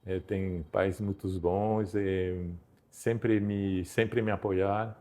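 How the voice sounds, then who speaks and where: This is a man in his fifties from Belgium, speaking with a French-speaking Belgian accent in a low voice. He tells his stories loosely and haltingly, doubling back on words and laughing now and then. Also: little pitch movement, darkish tone. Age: 50s. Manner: halting, self-repeating, laughs while telling stories. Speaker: guest photographer. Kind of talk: casual interview storytelling.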